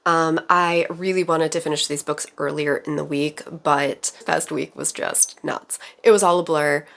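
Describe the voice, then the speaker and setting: A woman book vlogger chatting casually about her reading, a little raspy and rambling with fillers. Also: deep voice, fairly even intonation, unhurried, a bit bright. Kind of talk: casual chat.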